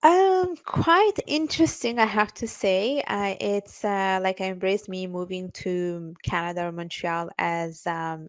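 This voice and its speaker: A woman's voice: fairly low pitch, no room sound. A woman from Italy, a finance professional and mentor, answering interview questions earnestly, with many fillers and restarts.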